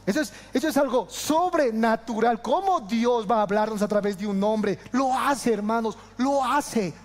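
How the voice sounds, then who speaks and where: High-voiced impassioned pastor in reverb. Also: male voice, moderate pace, faint music behind. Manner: impassioned, swinging from loud to hushed. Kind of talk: sermon.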